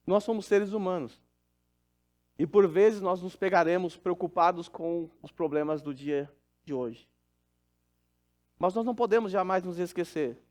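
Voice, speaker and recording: High-voiced pastor preaching. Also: male voice, darkish tone. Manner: storytelling, earnest and conversational. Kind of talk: sermon.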